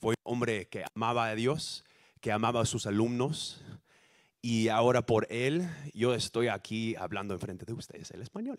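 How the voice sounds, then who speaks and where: A man with an American accent talks at a moderate pace in a medium pitch with ordinary pitch variation, recorded very clean with a silent background and a dry, close sound with no echo. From US Midwest (Elkhart, Indiana). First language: English (speaking Spanish). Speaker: lay preacher and high school Spanish teacher. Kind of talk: sermon. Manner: halting.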